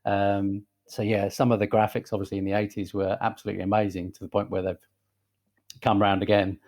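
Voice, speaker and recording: A man in his forties with a softened northern English accent, a guest talking casually in a podcast interview, relaxed and hesitant, with many fillers and restarts. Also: lowish voice, a little fast. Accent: Northern English, softened by southern England. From northern England. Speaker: guest, creative director.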